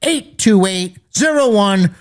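High, lively sports betting radio host. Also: male voice. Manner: fast persuasive pitch, direct to listeners. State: slightly losing his voice. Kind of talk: radio talk with sales pitch.

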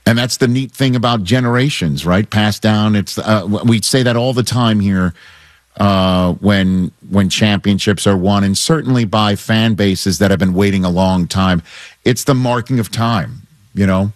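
A man's voice: lowish voice, dry recording, clean studio sound. Upbeat man in his fifties hosting sports talk. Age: 50s. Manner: upbeat, chatty, quick asides. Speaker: sports talk show host. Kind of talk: radio talk show.

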